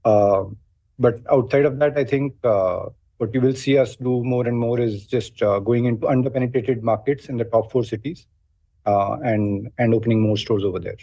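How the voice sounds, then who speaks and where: A man with an Indian accent answering haltingly as a company executive on an earnings call, over dull online call audio. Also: mid-range voice, warm tone, no echo.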